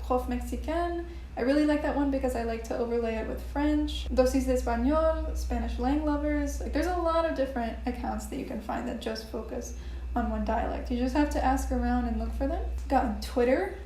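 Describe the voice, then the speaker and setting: A young woman with a high, mellow voice talks to her camera in a chatty, expressive way, tossing in playful asides. The room around her rings with a noticeable echo, and faint noise sits underneath. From Florida, United States. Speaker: language-learning vlogger. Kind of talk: casual chat to camera.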